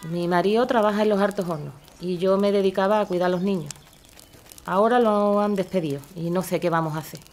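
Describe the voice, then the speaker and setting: A woman's voice: medium pitch, fairly even intonation, brisk, darkish tone, natural voice. A woman playing a humble, worried poor mother in a radio drama. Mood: humble, earnest.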